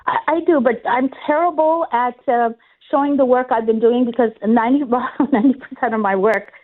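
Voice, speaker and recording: A woman's voice: on the high side, a little fast. Earnest woman campaigning over a phone line. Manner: earnest, campaigning, many fillers and restarts. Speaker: political candidate guest. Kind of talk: phone interview on talk radio.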